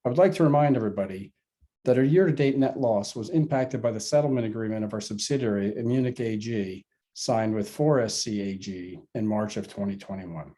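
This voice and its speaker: A man with a dark, mellow voice delivers a scripted financial report. He is formal and methodical, reading out figures in the manner of a finance executive on an earnings call. His pitch sits a little low. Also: a little fast.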